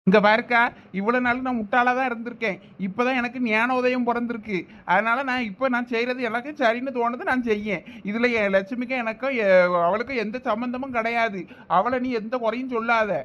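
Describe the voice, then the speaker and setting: A man voicing a high, insistent aggrieved brother. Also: fairly even intonation, brisk. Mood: angry. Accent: Thoothukudi Tamil. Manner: loud, insistent arguing. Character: aggrieved middle-aged brother, father of two daughters. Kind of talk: cartoon family drama voice acting.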